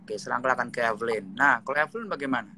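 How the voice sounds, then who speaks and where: A man's voice: mid-range voice, rapid-fire, a crowd in the background. A man hosting an online interview with pageant finalists, asking playful, teasing questions and mixing in English.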